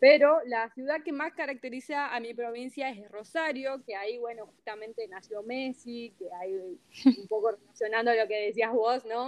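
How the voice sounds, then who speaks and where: With a Rioplatense accent, a high-pitched woman talks with hardly any pauses, her loudness swinging widely while her pitch varies in an ordinary way. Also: moderate pace. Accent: Argentine Rioplatense Spanish. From Argentina, Santa Fe province. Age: 20s. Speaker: politics advocate. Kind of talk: interview conversation.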